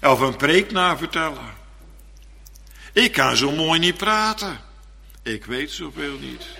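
A man's voice: on the high side, expressive, takes it slowly, vocal fry, pushed and bright, slightly rough, voice pushed up, exaggerated voice. A man voicing a humble churchgoer who pleads with the minister and doubts his own worth. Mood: pleading. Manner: pleading, self-deprecating. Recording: long church reverb.

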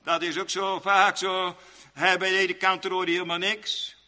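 High bright-voiced rambling male preacher. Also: flat delivery, long reverb tail. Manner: rambling, repetitive, halting with many fillers; old-fashioned churchly phrasing. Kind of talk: sermon.

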